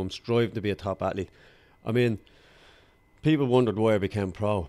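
Very fast speech from a man at fairly low pitch, dark and mellow, with ordinary pitch variation, on a very clean recording with a silent background. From Dublin, Ireland (Darndale, north county). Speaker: professional triathlete, ex-prisoner. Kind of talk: interview, personal life story. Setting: studio.

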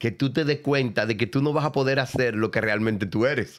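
In a very clean recording with a silent background, a man with a normal speaking voice talks at medium pitch with lively intonation. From Dominican Republic, Cotuí. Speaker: doctor. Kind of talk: interview.

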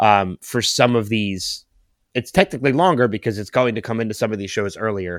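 A man speaks at a fairly quick pace and a medium pitch with ordinary pitch variation, in a normal speaking voice. The sound is dry and close with no echo, in a very clean recording with a silent background. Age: 40s. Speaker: podcast host. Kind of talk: casual chat.

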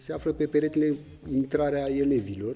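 At a fairly slow pace, a man talks in an ordinary speaking voice, with medium pitch and ordinary pitch variation. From Romania, Bacău. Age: 40s. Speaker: street artist and art teacher. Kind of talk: interview.

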